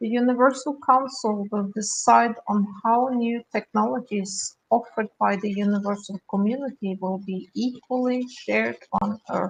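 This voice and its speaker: Somewhat breathy and fairly high, a woman's voice moves at a moderate pace with ordinary pitch variation in a dry, close sound with no echo. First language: Norwegian. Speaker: spiritual council representative. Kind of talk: reading a prepared statement. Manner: formal.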